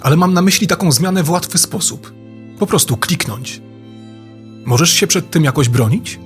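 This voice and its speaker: A man with a slightly high voice asks an AI assistant pointed questions in casual speech. He presses insistently for answers, with faint music in the background. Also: animated, moderate pace. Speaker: user questioning an AI.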